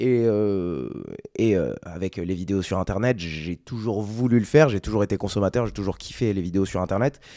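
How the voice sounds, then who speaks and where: Captured in a very clean recording with a silent background, a man's fairly low, dark and mellow voice moves at a moderate pace with ordinary pitch variation. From France, Paris region (Essonne). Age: 20s. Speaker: video content creator. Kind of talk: podcast interview.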